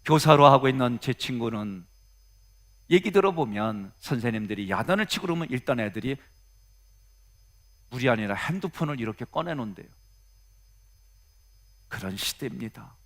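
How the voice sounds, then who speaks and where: A man's voice: medium pitch, lively intonation, moderate pace, long pauses, fairly bright tone. A middle-aged man preaches to his congregation in a plain, conversational way. His mid-range voice turns earnest and rises to emphatic peaks as he presses his points. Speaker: pastor. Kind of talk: sermon.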